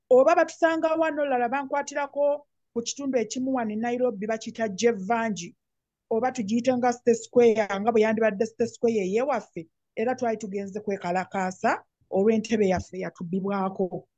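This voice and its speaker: A woman with a Ugandan accent speaks off the cuff as an activist addressing an online meeting. Her voice sits on the high side. It comes through a slightly dull, dry call connection. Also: mellow, dry recording. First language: Luganda. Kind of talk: impromptu political address.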